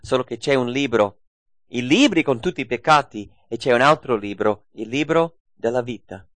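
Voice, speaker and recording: A man's voice: medium pitch, normal speed, fairly bright tone, dry recording. A man preaching a sermon, repeating key phrases and asking rhetorical questions.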